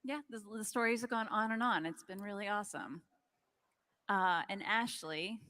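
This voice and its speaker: Bright, bubbly woman moderator. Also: medium pitch, normal speed. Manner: gushing, bubbly, chatty. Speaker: panel moderator. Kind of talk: hosting a live fan panel.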